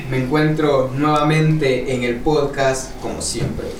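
Spoken at a very slow pace, the voice carries audible room echo with music in the background. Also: man. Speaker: podcast co-host and radio announcer. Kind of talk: casual podcast chat. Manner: animated.

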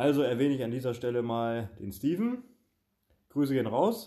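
This man's voice has a dark, mellow tone. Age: 20s. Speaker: podcast co-host. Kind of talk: casual chat.

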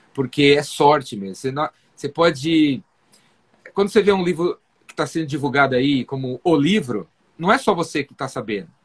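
In a dry, close recording with no echo, a man speaks in a somewhat breathy voice, leaving long, frequent pauses. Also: fairly high pitch for a man, lively intonation, moderate pace. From Brazil, São Paulo city. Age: 50s. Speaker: sales speaker and consultant. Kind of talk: casual interview chat. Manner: animated.

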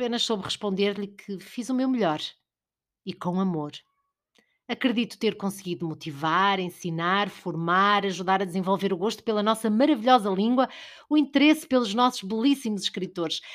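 A woman's plain, everyday voice at medium pitch, at a moderate pace with lively intonation, on a very clean recording with a silent background. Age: 60s. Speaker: teacher and opinion columnist. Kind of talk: reading aloud of a personal essay.

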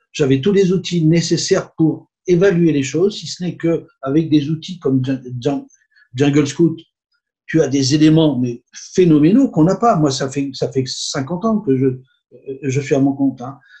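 A man speaks at a fairly slow pace in a dark, mellow tone. His pitch is fairly high, with ordinary variation. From northern France (Haute-Normandie, Gisors). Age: 70s. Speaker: retired business owner, online seller. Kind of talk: interview. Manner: halting, many repetitions and hesitations.

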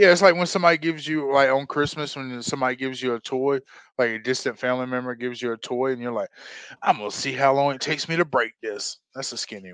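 A man's medium-pitched voice at a very fast pace, with ordinary pitch variation, big swings in loudness, and a dry, close sound with no echo against a quiet background. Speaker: podcast host. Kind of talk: casual banter. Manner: animated, joking.

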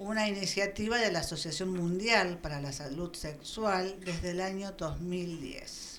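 A woman with a medium-pitched voice talks at a fairly slow pace with ordinary pitch variation and hardly any pauses, over noticeable background noise. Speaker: radio host. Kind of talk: reading informational text; casual radio interview. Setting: radio studio.

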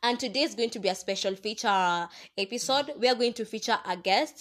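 A woman with a Kenyan accent at a fairly quick pace, against a quiet background. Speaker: podcast host. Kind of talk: podcast intro.

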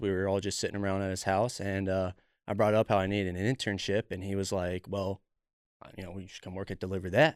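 Very fast speech on a very clean recording with a silent background. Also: man. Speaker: company employee, former intern. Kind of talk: casual interview.

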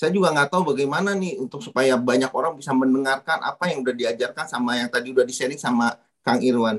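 A man talks at a fairly quick pace in an ordinary speaking voice. His pitch is fairly high with ordinary pitch variation. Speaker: mathematics educator, participant. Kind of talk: audience comment. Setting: video call.

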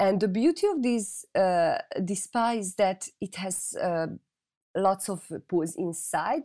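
A woman's medium-pitched voice in a Hungarian accent, with lively intonation. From Budapest, Hungary. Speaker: local tour guide. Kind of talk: casual interview. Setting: video call. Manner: halting, hesitant with restarts.

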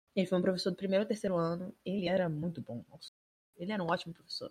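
Somewhat breathy, a woman speaks with a Carioca accent on a very clean recording with a silent background. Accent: carioca Brazilian Portuguese. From Rio de Janeiro, Brazil. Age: 20s. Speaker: history podcast host and history student. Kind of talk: solo podcast monologue. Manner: casual, laughs often.

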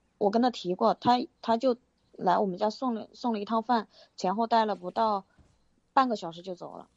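A woman talks at a moderate pace with a fairly high pitch. Her loudness swings widely. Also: fairly even intonation. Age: 30s. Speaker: caller seeking relationship advice. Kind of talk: phone-in advice call. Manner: halting.

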